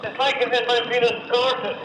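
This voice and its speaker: A man speaks over an underwater diver radio from inside his mask, his voice pitched very high. The link sounds distant, echoey and full of hiss. He gives measured radio call-outs and describes what he sees with awe. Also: fairly even intonation. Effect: underwater diver radio through a full-face mask. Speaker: scuba diver reporting from a wreck. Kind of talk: radio check-ins from underwater. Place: underwater at a shipwreck, 29 metres down.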